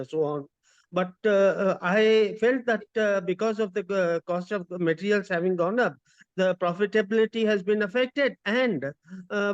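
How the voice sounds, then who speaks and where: A man with an Indian accent asking an investor's questions on a dull conference call line, halting but insistent. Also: sits high, clear, resonant tone.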